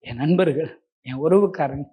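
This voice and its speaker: A middle-aged man preaches an impassioned testimony sermon. His voice moves from loud, pleading outbursts to quiet, near-tearful confessions. He keeps turning to speak straight to his listeners with respect. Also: on the high side, normal speed, husky. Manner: swings between loud pleading and hushed near-tearful talk; addresses listeners respectfully and directly.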